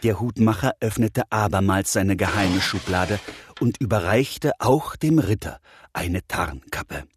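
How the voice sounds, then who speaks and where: A man narrating a children's fairy tale in an animated storytelling voice. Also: lowish voice, unhurried, a little hiss or hum. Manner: animated, voicing all characters.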